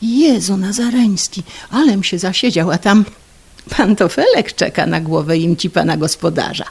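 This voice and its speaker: Lady doing a sneery teasing drinking pal, husky raspy voice. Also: deep voice, expressive, moderate pace, heavily acted. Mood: mocking. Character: spiteful mocking male drinking companion.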